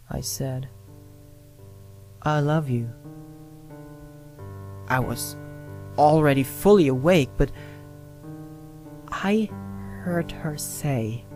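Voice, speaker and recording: A narrator reading a scripted first-person story in short phrases with frequent pauses. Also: medium pitch, darkish tone. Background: music with guitar and piano.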